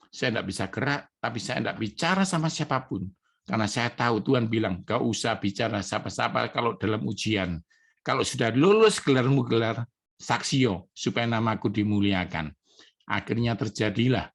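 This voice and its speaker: Gravelly-voiced pastor giving an emotional testimony. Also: male voice, medium pitch, fairly bright tone. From Indonesia. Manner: emotional, addresses congregation as brothers and sisters. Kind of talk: sermon testimony.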